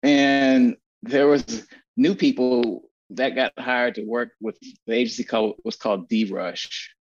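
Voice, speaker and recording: A man being interviewed as an agency strategist, telling stories in a blunt, animated way with lots of swearing and repeated words. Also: medium pitch, a little slow, creaky, highs cut off. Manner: animated storytelling, frequent profanity and repetitions. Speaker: guest, agency founder and strategist. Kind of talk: casual podcast interview.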